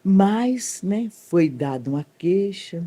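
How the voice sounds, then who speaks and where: Middle-aged woman, emotional church testimony guest, lively and expressive. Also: slow, breathy edge. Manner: animated, swings widely in pitch, leans on "né" tag questions. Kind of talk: emotional faith testimony storytelling.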